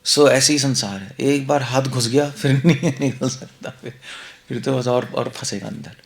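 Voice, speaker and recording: A man's voice: mid-range voice, normal speed, vocal fry. A male monk giving a conversational scripture class, mixing Hindi and English, asking the listeners rhetorical questions. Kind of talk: Hindi-English devotional lecture.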